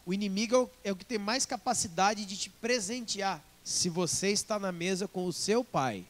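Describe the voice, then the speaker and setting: Man preaching, Brazilian accent, high-pitched voice, playful, lively asides. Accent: Brazilian Portuguese. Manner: lively, joking, with quick acted asides. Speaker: pastor. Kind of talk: sermon.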